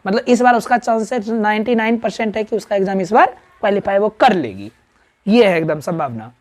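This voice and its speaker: A man with a Bihari Hindi accent and a fairly high voice, teaching a grammar lesson in a classroom. He works in call-and-response, drilling students with questions and checking after every point that they have followed. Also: lively intonation, brisk. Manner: quizzes students in call-and-response, keeps asking "right?".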